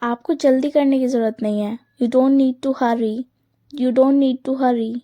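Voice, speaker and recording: Woman, English teacher, phrase drill, very slow repetitions, high voice. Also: steady tone, warm tone. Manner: reads each phrase quickly, then repeats it slowly twice.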